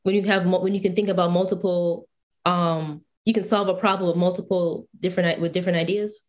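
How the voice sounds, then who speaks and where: A woman guest in a casual podcast interview, talking in an animated, emphatic way. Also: on the low side, fast talker. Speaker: guest, UI/UX designer and photographer.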